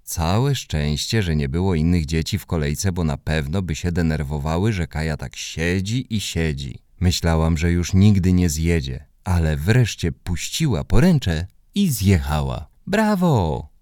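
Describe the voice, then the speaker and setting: A man reading a children's story aloud in the first person, expressive and animated. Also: sits low, a little slow, few pauses, dry recording, studio quality. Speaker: narrator.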